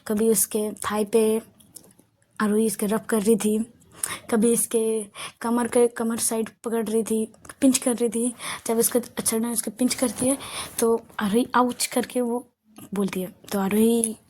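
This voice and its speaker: A woman's voice: a little high, little pitch movement, measured pace, pauses often, warm tone. A woman casually telling a love story aloud, rambling and often correcting herself.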